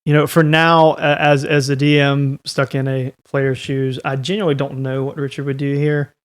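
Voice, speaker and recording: Male game master, mid-pitched, conversational, improvising narration and rulings with a tentative, think-aloud delivery. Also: little pitch movement, normal speed, clear, resonant tone.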